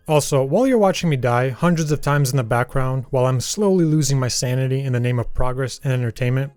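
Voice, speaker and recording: A man's voice: mid-range voice, darkish tone, no room sound. A young man narrating his gameplay in a voice-over, with dry, self-deprecating humor. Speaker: gaming YouTuber narrating his playthrough.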